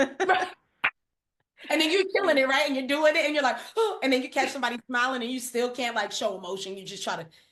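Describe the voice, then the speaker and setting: A woman's high, energetic, upbeat voice with an American accent, a very fast pace, very wide pitch swings and big swings in loudness. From Brooklyn, New York, USA. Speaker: emcee and arena host. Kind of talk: casual interview answer.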